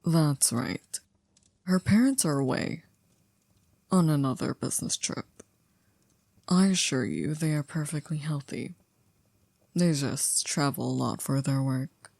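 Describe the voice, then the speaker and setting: A woman playing a composed, formal household servant in an ASMR roleplay, polite and measured with gently wry teasing. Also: deep voice, vocal fry, no echo, heavily acted. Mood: matter-of-fact.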